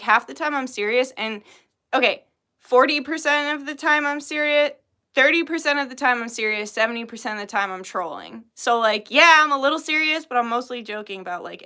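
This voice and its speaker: A bright, clear-toned young woman, a little higher than most, hosts a relaxed livestream. She answers chat messages, jokes often and swears without much care. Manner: laughs often, joking and swearing freely. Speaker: tarot reader livestream host.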